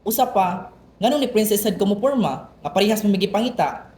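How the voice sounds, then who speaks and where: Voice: medium pitch, animated, fairly quick, darkish tone, a little hiss or hum, natural voice. A performer playing a sullen, defiant young gay son in an amateur radio drama, snappy and emotional. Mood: defensive. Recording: echoey room.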